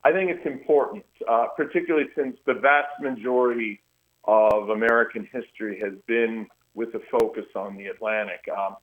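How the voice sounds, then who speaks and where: A middle-aged man, a historian, speaking earnestly by phone in a radio interview, often restarting his sentences. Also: mid-range voice. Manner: earnest, halting with many restarts. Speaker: guest historian. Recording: tinny phone line.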